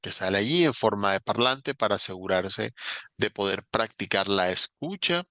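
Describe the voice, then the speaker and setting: A man walks through grammar rules in a recorded lesson. His voice is gravelly and bright, with a dry, close sound. He explains patiently and slows down to spell out examples. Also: on the low side, expressive, dry recording. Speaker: English teacher.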